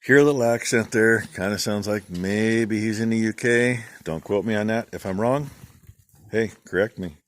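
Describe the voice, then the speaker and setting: A middle-aged man, a farmer vlogging, giving rambling, plain-spoken shout-outs in a casual way. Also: on the low side, moderate pace. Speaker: farm channel vlogger.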